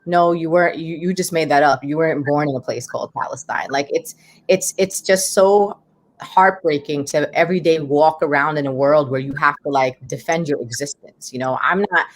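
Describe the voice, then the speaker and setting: A woman from the United States with a low-pitched voice speaks at a moderate pace. She's a guest on a podcast interview and talks with passion and emphasis.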